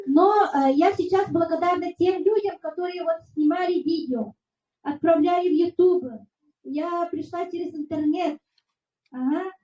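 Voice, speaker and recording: A woman's voice: very high voice, warm tone. A woman hosting a presentation, encouraging the audience and heaping praise on speakers. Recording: echoey, muffled room sound.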